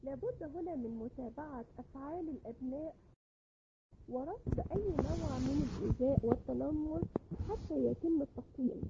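A woman educator giving parenting advice in an earnest, measured, instructive radio talk. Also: high-pitched, creaky, muffled recording, very noisy.

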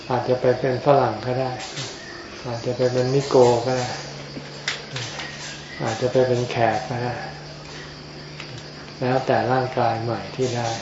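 Slow, monotone murmuring monk, echoey recording. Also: male voice, medium pitch. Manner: unhurried teaching in short phrases with pauses. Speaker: Buddhist monk giving a Dhamma talk. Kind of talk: informal Dhamma sermon. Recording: echoey, dull lo-fi, noisy with insects.

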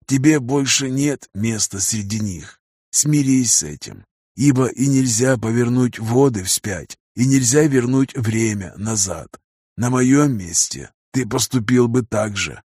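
A man voicing a calm, ruthless old patriarch in an audiobook, speaking slowly and quietly. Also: mid-range voice, breathy edge, no echo, studio quality. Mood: cold calm. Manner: slow, measured, hushed. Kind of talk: audiobook character reading.

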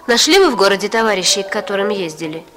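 A woman's voice: mid-range voice, very animated, quick pace, music in the background, lightly acted. An actress playing a kind, curious woman who coaxes stories out of her guest, in 1960s radio drama style.

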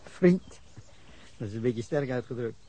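A man's voice: medium pitch, lively intonation, unhurried, dark tone, low-quality recording. An actor playing a wary male journalist being questioned by police in a radio drama. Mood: guarded. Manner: guarded, dismissive.

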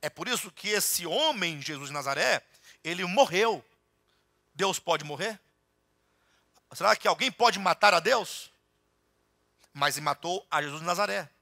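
A man with a Brazilian Portuguese accent preaching a sermon as a bishop, acting out dialogue and rising to loud, emphatic peaks. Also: sits high, expressive, measured pace, gravelly, long pauses. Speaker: bishop preaching a Bible study. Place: church.

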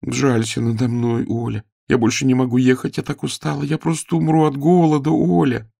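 A man's voice: medium pitch, level tone, a little fast, gravelly, warm tone, no room sound, studio quality, voice pushed up. A man voicing a young girl disguised as a page boy, talking eagerly and pleading with her friend.

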